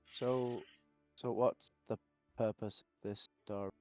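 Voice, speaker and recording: Low, creaky-voiced man. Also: steady tone, slow pace, warm tone, faint music behind. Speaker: player in a tabletop roleplaying game. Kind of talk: casual chat.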